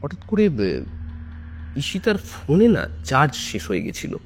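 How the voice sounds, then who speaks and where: A man's voice: fairly high pitch, wildly swooping pitch, a little slow, a little hiss or hum. A man telling a story in an informal, conversational and suspenseful way, as on a ghost story podcast. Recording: music under the voice. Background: background music.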